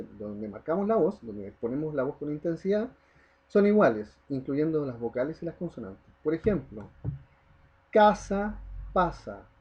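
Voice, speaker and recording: A man's voice: medium pitch, warm tone, breathy edge, muffled recording. A man teaching a primary school class, explaining step by step, stressing the example words and often checking in with the children. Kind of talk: recorded online class lesson.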